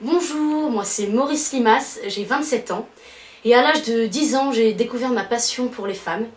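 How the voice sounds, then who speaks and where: A woman's voice: a little high, moderate pace, close to an everyday voice. A woman playing a trans woman contestant in her twenties in a reality show parody. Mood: matter-of-fact. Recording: echoey, very noisy recording.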